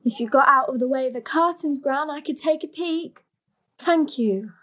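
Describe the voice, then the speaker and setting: Young granddaughter, fairly high voice. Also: female voice, normal speed, a bit bright. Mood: alert. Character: sensible, anxious young granddaughter, gently exasperated. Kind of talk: stage-thriller audio drama acting.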